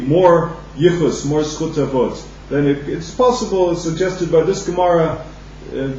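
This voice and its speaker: Halting man teaching in a very echoey room. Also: fairly high pitch, warm tone. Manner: halting, restarts phrases, reads Aramaic then explains in English. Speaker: Talmud teacher. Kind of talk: daily Talmud study lesson. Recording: distant, dull lo-fi mic in an echoey room with faint hum.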